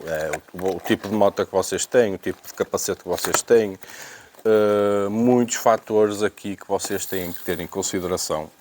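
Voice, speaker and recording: A man's voice: sits low, normal speed, background noise. A man with a European Portuguese accent presenting an unboxing in casual, unscripted talk, hesitating and repeating himself as he thinks aloud. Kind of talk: casual unscripted product review.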